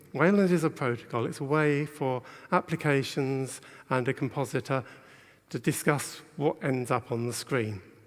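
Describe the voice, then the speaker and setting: A man with a British accent, fairly high pitch and ordinary pitch variation, at a fairly slow pace against a quiet background. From England. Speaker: software engineer, team lead; conference presenter. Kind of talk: conference talk. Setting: stage with audience. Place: stage.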